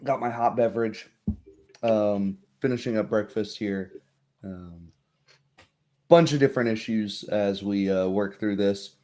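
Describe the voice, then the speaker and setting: Male tabletop host, weary, unhurried and halting, casual recap style. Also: fairly low pitch, warm tone. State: tired. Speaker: game master and host. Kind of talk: casual livestream chat and recap.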